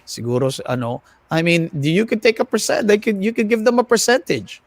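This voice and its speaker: A man with an American accent speaks in a fairly high voice with very little room sound. He chats casually and with animation, as if on a livestream. He pokes fun at himself and halts a little when he switches languages. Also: no echo. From United States, of Filipino family. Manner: animated, self-deprecating, halting when switching into Tagalog. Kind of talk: casual livestream chat mixing English and Tagalog. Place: online video livestream.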